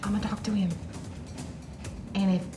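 A woman at a tabletop game voices her character quietly, close to a whisper. Her voice sits at a middle pitch. Music plays behind her. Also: level tone, moderate pace. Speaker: player. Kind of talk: casual tabletop game chat.

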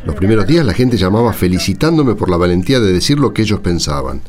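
Hombre haciendo de cura argentino abatido, voz grave. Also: male voice, deep voice, very animated, fast, darkish tone. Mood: conversational. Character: parish priest, downcast and exasperated, fatherly. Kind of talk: Spanish-language radio drama acting.

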